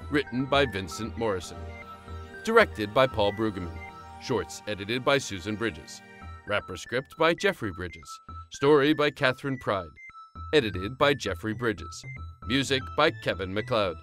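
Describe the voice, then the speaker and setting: A man's voice: lowish voice, expressive, a little slow, fairly bright tone. A man reading scripted credits as the announcer of an audio drama show. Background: music.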